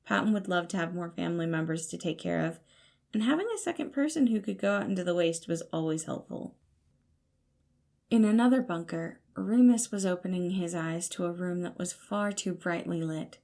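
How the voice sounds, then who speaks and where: A woman narrates scripted fiction in a storytelling style. Her voice sits a little below average for a woman and carries a clear creak. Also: on the low side, moderate pace, a little mellow. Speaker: podfic narrator.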